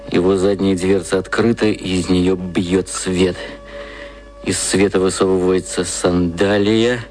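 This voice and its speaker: Low-voiced, earnest young copywriter. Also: male voice. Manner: earnest, self-deprecating. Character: eager, insecure, hungover male copywriter. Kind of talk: radio play acting.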